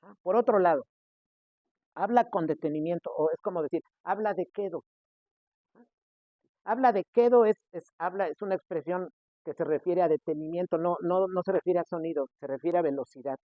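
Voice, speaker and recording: A Mexican man preaching a sermon as pastor, acting out the people he quotes with sudden shifts in loudness. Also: fairly high pitch, fairly quick, no echo. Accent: Mexican Spanish. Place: church. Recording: dry, tinny phone-like sound.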